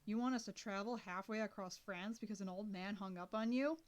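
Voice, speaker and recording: A woman's voice: medium pitch, a little fast, lightly acted. A woman voicing a blunt, skeptical teenage boy in close to her own voice. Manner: dry, incredulous.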